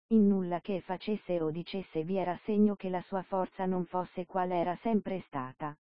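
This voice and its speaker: Woman reading a novel aloud, calm steady pace, dry dead room, kinda dull audio. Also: fairly low pitch, no room sound. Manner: measured, steady storytelling. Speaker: audiobook narrator. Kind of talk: scripted narration.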